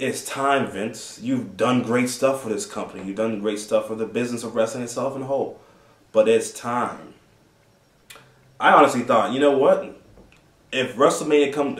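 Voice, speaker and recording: A man in his twenties hosting a casual solo commentary, rambling and laughing often between thoughts. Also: medium pitch. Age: 20s. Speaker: host. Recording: roomy, distant from the mic.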